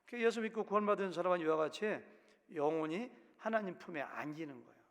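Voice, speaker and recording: A man's voice: sits high, expressive, fairly quick, a bit bright. A male pastor from Chungcheong province preaching a sermon with a regional accent, acting out quotes in shifting voices. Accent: Chungcheong Korean. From Korea, Chungcheong province. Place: church sanctuary. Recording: long hall reverb.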